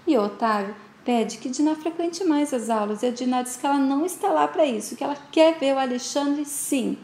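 Woman host, brisk casual recap narrator, slightly high voice, recorded in an echoey room. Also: darkish tone, a little hiss or hum. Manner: brisk retelling, quoted lines voiced with some feeling. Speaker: channel host recapping a soap opera. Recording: roomy echo.

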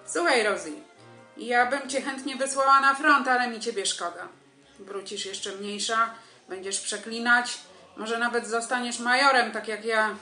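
In a radio comedy, an actress plays a stern female army major, asking clipped, commanding, deadpan questions a little slowly. Her voice is bright and fairly high, and the roomy home recording includes some music.

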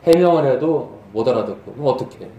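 A middle-aged male pastor giving a sermon in a conversational, animated way that rises to emphatic peaks. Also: medium pitch, fast talker, far from the mic, muffled recording. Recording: echoey room from off mic.

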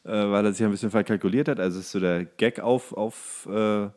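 A man's voice: lowish voice, steady tone, brisk, darkish tone. A man co-hosting a podcast in casual comedic banter, rambling along in a jokey, mock-serious way. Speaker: podcast co-host.

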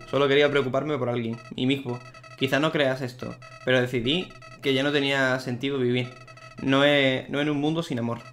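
A creepy talking flower with no feelings left, once a little boy, as a gamer reads him out, medium-pitched and plain, told like a story, faint game music behind. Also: a bit bright, lightly acted.

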